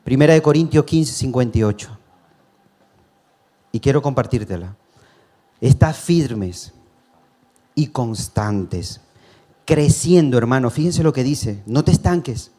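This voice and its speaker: A man's voice: medium pitch, expressive, normal speed, mellow. A man preaching a sermon, earnest and personal, telling his story to the congregation, calling them brothers and chuckling now and then. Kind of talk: sermon testimony.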